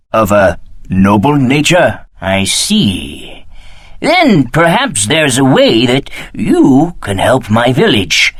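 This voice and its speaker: An actor playing an earnest, humble refugee villager in a fantasy video game, with formal, careful diction. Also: male voice, lowish voice, fairly bright tone, husky, no echo, clean studio sound, heavily acted.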